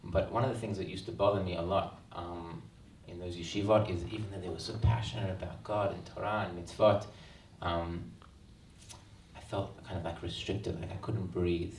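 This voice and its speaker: An Australian man in his thirties, an author speaking earnestly at a book launch, with many ums and pauses. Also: low-pitched, steady tone, darkish tone, a little hiss or hum. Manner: earnest, reflective, frequent ums. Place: event hall. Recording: roomy hall sound, mic at a distance.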